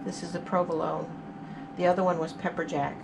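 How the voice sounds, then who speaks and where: A woman's voice: fairly low pitch, flat delivery, brisk, creaky, heavy background noise. A middle-aged woman hosting her cooking channel, chatting through each step as she cooks in her home kitchen. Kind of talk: casual cook-along narration.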